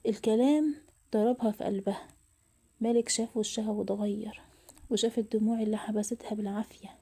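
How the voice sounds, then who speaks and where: A woman with an Egyptian accent narrating a love story in a soft, often whispered voice. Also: mid-range voice, steady tone, fast talker, slightly rough. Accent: Egyptian Arabic.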